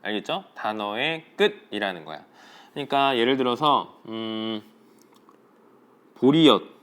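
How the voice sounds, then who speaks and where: A man's voice: medium pitch, a little slow, smooth. A man teaching a middle school Korean lesson, talking directly to his students and asking them questions. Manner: lively, talks directly to students and asks for answers. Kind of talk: recorded classroom lesson.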